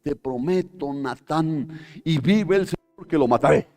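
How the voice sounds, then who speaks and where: A man's voice: on the high side, fast, mellow, soft background music, natural voice. A man voicing an indignant, hot-tempered King David, with outraged, rising exclamations. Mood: furious.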